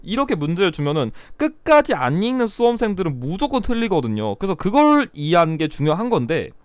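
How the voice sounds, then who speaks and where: A man's voice: high-pitched, huge pitch swings, fairly quick, clean tone, no room sound, studio quality. A young man giving a blunt, chatty exam review lecture, still getting over a cold. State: recovering from a cold. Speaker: history exam tutor.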